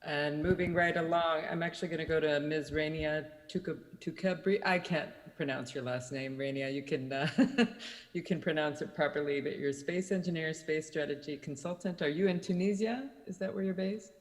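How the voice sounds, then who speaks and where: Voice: mid-range voice, normal speed. A moderator introducing a panelist and asking a question in a friendly, informal way. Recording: long hall reverb.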